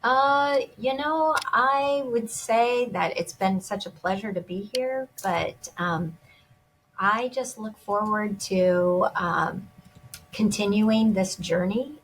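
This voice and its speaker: A woman's voice: medium pitch, takes it slowly, slight background noise, rough recording. A woman gemologist and jewelry designer speaking as an interview guest, enthusiastic and often restarting her sentences.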